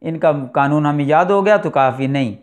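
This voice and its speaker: A middle-aged man teaching a recitation lesson, explaining and slowly drawing out letters and verses. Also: on the high side. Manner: slow deliberate articulation of letters, drawn-out recitation. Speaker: tajweed teacher.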